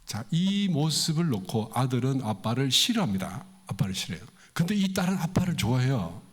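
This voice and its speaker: Lively-voiced male preacher. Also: brisk, breathy edge. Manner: conversational, asks the congregation questions; acts out quoted voices with big pitch swings. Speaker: pastor. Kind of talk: sermon. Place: temple hall with congregation.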